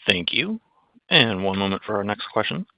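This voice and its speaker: Male call operator, scripted lines, gravelly voice, dry and slightly lo-fi audio. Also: fairly low pitch, big pitch swings, normal speed, slight background noise.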